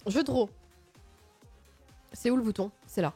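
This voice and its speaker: A playful woman with a high voice hosts a casual livestream, chatting loosely and breaking into excited outbursts. Faint music plays under her voice. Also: unhurried, slightly rough. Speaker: livestream host.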